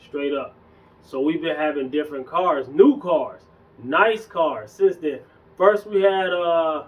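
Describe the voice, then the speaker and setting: Young guy chatting loose and slangy, kinda hoarse, sounds a bit far off and muffled. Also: fairly high pitch, slight background noise. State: losing his voice. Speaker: fitness YouTuber. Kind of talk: casual vlog chat.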